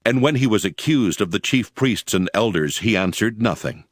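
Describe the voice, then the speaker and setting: A man's voice: on the low side, expressive, normal speed, no echo, studio quality. A man narrating scripture as a dramatized reading.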